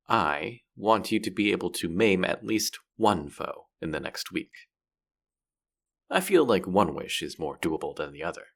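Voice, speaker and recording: Man acting a low, gravelly, cocky fantasy rogue. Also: fairly bright tone, exaggerated voice. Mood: mocking, teasing. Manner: teasing, foul-mouthed, sardonic banter. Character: cocky, bratty young male fantasy rogue, street rat. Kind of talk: character roleplay audio drama spoken to the listener.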